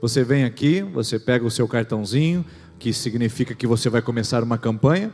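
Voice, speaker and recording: A man's voice: medium pitch, expressive, fairly quick, a little mellow, faint music behind. A man with a Brazilian Portuguese accent, a pastor welcoming the congregation and online viewers and giving announcements. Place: church sanctuary. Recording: long reverb of a church hall.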